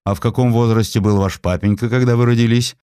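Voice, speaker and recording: A man's voice: mid-range voice, steady tone, fast talker, a little mellow, smooth, no echo, clean studio sound, voice pushed up, lightly acted. A man voicing a stern, eccentric medical professor in an audiobook, curt, commanding and businesslike.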